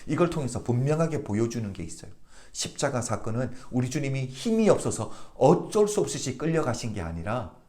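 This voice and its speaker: A male pastor from Korea delivers a daily devotional sermon in a voice of middling pitch that rises and falls with real liveliness. He keeps putting questions to the congregation and then answering them himself. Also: mellow.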